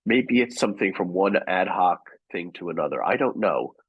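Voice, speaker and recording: Deep, husky-voiced man. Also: expressive, no room sound, highs cut off. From United States. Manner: measured, thoughtful, with frequent restarts. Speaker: guest journalist. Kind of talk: Q&A over video call. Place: home. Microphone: video call.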